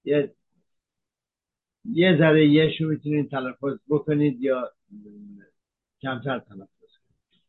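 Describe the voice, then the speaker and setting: A man, a physician from Iran, giving a measured health talk that explains medical terms, with frequent hesitations. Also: on the high side, steady tone, phone-quality sound.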